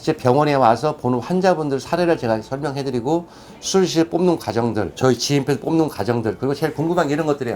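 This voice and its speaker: A man talks at a very fast pace. His pitch sits fairly high for a man. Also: ordinary pitch variation. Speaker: orthopedic surgeon. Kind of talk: explanatory talk.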